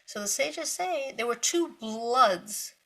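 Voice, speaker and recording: Bright, gravelly woman teaching Torah. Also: fairly high pitch, slow pace, low-quality recording. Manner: animated storytelling with emphatic repetition; laughs lightly between points. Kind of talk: spiritual lecture to women.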